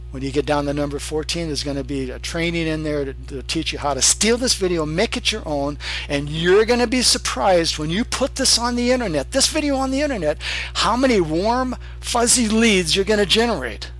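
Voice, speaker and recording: Noticeable background noise runs under this clip. A man talks at a fairly quick pace. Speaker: online marketing trainer. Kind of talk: tutorial. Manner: fast; animated.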